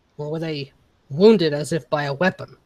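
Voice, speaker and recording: A put-on character voice at a middle pitch, delivered at a fairly quick pace. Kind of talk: formal samurai speech. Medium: actual play. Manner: measured, formal.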